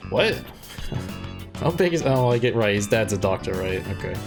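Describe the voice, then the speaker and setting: A man's voice: lowish voice, sing-song, normal speed. A man doing casual let's-play commentary, joking and thinking aloud in a rambling way. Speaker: gaming video host. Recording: game music behind the voice. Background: video game music.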